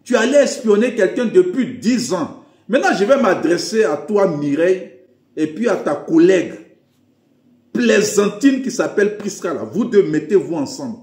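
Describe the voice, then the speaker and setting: A man's voice: high voice, sing-song, normal speed, darkish tone. A man preaching as a self-styled prophet, declamatory, with emphatic repetition. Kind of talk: preaching address. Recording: echoey room.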